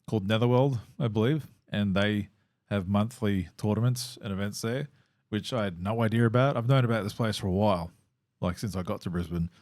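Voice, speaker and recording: A man hosts his own podcast in a loose, rambling way, full of ums and false starts. His voice sits a little low and is hoarse from overuse. The sound is dry and close, with no room echo. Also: darkish tone. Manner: rambling, lots of fillers and restarts. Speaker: podcast host. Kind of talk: casual solo podcast chat. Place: home.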